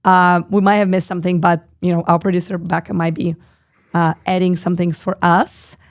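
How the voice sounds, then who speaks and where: A woman in her thirties hosting a live stream with a hoarse, husky voice, chatting casually and reading viewer comments aloud with lots of fillers. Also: on the low side, little pitch movement, moderate pace. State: hoarse, lost voice.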